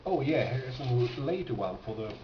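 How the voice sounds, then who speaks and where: A man with a Swedish accent, a native Swedish speaker, talks casually and haltingly as he shows items from his collection, often pausing mid-sentence. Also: medium pitch, animated. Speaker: record collector presenting finds. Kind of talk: casual unscripted show-and-tell. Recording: dull, echoey, noisy amateur room recording.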